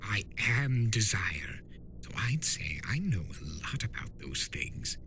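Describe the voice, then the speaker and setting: A man's voice: lowish voice, very animated, sharp tone, a little hiss or hum, full character voice. Theatrical chaos spirit, scolding, acted by a man. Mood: knowing, lecturing. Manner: theatrical, emphatic, drawn-out words. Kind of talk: dramatic fan-fiction reading.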